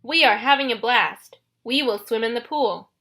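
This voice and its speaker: A woman's voice: a little high, moderate pace, bright, forceful tone. Woman doing vacant, entranced cruise folk. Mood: blankly pleasant. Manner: blank, mechanical recitation. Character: entranced, vacant cruise passengers and crew, falsely cheerful.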